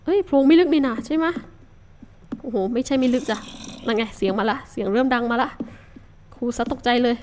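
High-voiced woman chatting through gameplay. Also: brisk, long pauses, slight background noise. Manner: chatty, talks to herself, soft polite particles, sudden startled shouts. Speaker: Minecraft let's-play host. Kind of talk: casual game commentary.

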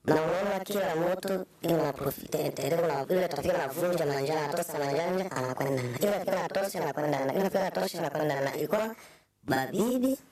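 Male witness, halting testimony, off-mic, crowd noise around. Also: fairly high pitch, distant mic. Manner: halting, searching for words.

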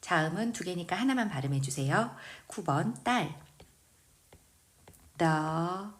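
A woman who speaks Korean natively, teaching English vocabulary in a slow, careful lesson and patiently drilling pronunciation word by word. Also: on the low side, expressive. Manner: patient, precise pronunciation drills with repeated words.

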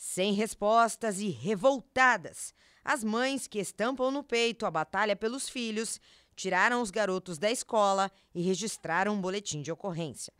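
A woman reporter reading a scripted TV news report in a measured, solemn tone. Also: medium pitch, fairly bright tone, clear, resonant tone, no echo, studio quality.

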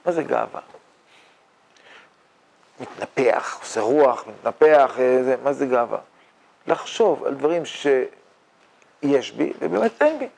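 Animated older rabbi with a gravelly voice. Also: male voice, mid-range voice. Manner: animated, rhetorical questions, mock-boastful asides. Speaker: rabbi teaching a yeshiva class. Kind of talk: Torah lecture. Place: yeshiva study hall, indoors.

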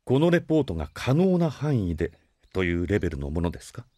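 A man playing a gentle, worried older brother in an audio drama, lecturing with formal politeness. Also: fairly low pitch, big pitch swings, fast, no room sound. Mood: concerned, reproving. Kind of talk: Japanese audio drama acting.

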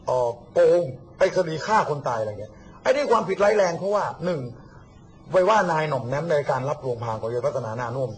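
A man's voice: on the high side, sing-song, slightly rough. A man talking politics in a casual, blunt, mocking way, acting out what others said. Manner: rapid, blunt, mocking, acts out quotes. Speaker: guest speaker on politics and the army.

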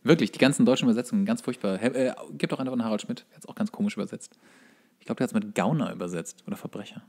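A man's voice: lowish voice, rapid-fire, a little mellow. A man who co-hosts a podcast, chatting casually and comedically in a wry, sardonic manner. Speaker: podcast co-host.

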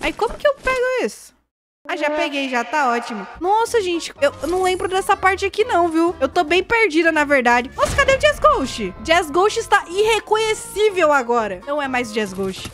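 A young woman with a Brazilian Portuguese accent, chatting excitedly through a gameplay video with frequent squeals and exclamations. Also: extremely high pitch, moderate pace. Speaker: gaming YouTuber. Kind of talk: casual gameplay commentary. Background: game music and sound effects.

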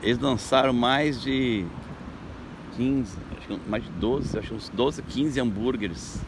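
A man's voice: medium pitch, a little slow. Chatty man outdoors by traffic. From Brazil. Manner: chatty, upbeat, talks to viewers directly. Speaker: local tour guide vlogger. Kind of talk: casual vlog narration. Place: beach boardwalk outdoors at sunrise. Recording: outdoor phone recording with traffic noise.

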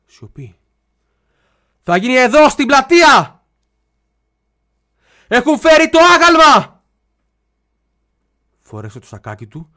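An actor playing a lonely, childlike young man who moves from hushed confiding to shrill shouting in a stage play for radio. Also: lightly acted. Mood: recounting.

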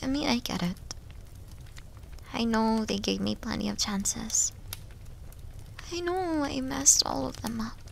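Woman doing a shy needy wolf girl, asmr roleplay, high voice, slow and halting, plaintive, kinda breathy. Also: slight background noise. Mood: ashamed, self-loathing. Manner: soft, hesitant, breathy dips into whispering, plaintive. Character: timid, needy young wolf girl, self-loathing and devoted. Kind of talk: ASMR roleplay audio drama.

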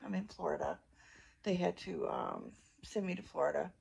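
A middle-aged woman with a husky, creaky voice chatting casually and ramblingly to her phone from a hospital bed. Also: lowish voice, moderate pace, darkish tone. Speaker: vlogger. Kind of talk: casual chat to camera. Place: small hospital room, lying in bed. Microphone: phone at arm's length.

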